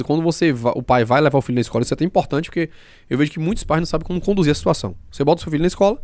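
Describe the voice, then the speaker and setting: A man talks quickly and emphatically as a podcast host, building each point with everyday examples. His voice sits a little higher than most men's, and the sound is dry and close. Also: a little mellow, no echo. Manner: fast-talking. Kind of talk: casual podcast conversation.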